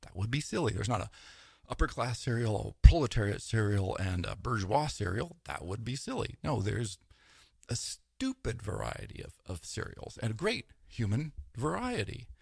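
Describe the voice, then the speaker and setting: A man talking through ideas in a rambling, animated lecture style, often tagging points with "right?" and asides. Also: fairly low pitch, normal speed, creaky, breathy edge, no room sound, clean studio sound. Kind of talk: casual lecture-style talk.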